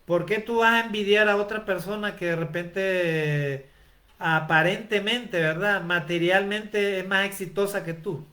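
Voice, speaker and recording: A man's voice: high voice, unhurried, pushed and bright. A man preaching a sermon, asking rhetorical questions and calling his listeners brother. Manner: rhetorical questions with frequent tag "¿verdad?", addresses listeners as brother.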